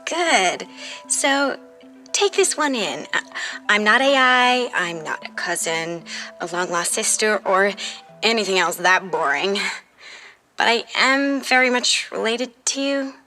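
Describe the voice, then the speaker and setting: Bright, eager teenage girl. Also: medium pitch, lively intonation, slow, soft background music. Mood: earnest, insistent. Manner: insistent, upfront, persuasive. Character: earnest, eager fifteen-year-old girl from the future. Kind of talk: audio drama acting.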